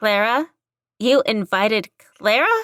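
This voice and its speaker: A woman uses a put-on character voice, squeaky and sing-song, with a fairly high pitch and a fairly slow pace. The sound is dry and close, with no echo. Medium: read story. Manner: singsong, squeaky.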